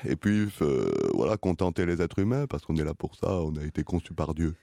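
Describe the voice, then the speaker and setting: A man voicing a gloomy farm pig with a Swiss French accent, speaking slowly and deadpan. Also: rumbling low, vocal fry, no room sound, clean studio sound. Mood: mournful. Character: gloomy farm pig, male, cramped and bored. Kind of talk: comedy sketch on radio.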